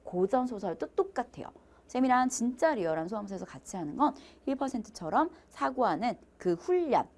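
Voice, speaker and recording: A woman's voice: mid-range voice, darkish tone. A woman teaching exam prep who switches between polite speech and casual talk aimed at her students. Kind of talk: lively lecture promo talk to students.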